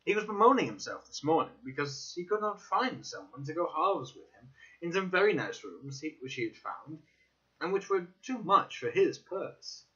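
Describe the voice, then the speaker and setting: A man voicing an amiable, astonished, gossipy young gentleman in a dramatic audiobook, with an exclamatory, inquisitive way of talking. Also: on the high side, lively intonation, moderate pace, muffled recording. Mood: intrigued. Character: young Stamford, amiable, astonished, gossipy male old acquaintance.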